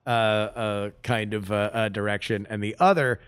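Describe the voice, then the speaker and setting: Halting man chatting on a podcast. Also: on the low side, steady tone, fairly bright tone, clear, resonant tone. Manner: halting, many filler words and restarts. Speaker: podcast co-host. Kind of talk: casual chat.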